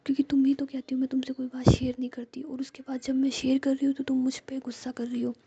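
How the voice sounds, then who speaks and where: A woman's voice: a little high, fairly even intonation, normal speed, gravelly, dull audio, heavy background noise. A woman whispering the part of a torn, pleading young woman in love. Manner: pleading, apologetic.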